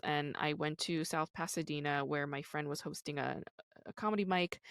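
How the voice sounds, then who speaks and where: A woman's voice: deep voice, no room sound, clean studio sound. A woman in her thirties hosting her own podcast, talking candidly and casually with lots of "like" and "you know". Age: 30s. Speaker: podcast host. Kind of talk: casual solo podcast talk.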